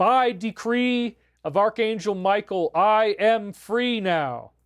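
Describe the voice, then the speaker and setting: A put-on character voice, fairly high in pitch and very slow, on a very clean recording with a silent background. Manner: dramatic, heroic declaration.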